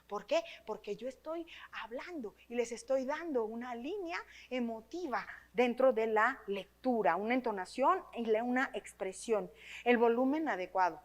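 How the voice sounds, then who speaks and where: Lively Mexican woman leading a workshop. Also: fairly high pitch, normal speed. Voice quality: trained, well-projected voice. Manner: lively, tags phrases with questions to the audience. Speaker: workshop leader for teachers. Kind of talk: teaching workshop on reading aloud. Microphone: microphone.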